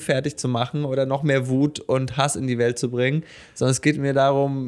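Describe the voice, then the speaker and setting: Recorded very cleanly with a silent background, a man in a plain, everyday voice speaks at a moderate pace and a fairly high pitch with fairly even intonation. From Lower Franconia, Germany. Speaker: stand-up comedian. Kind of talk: casual chat.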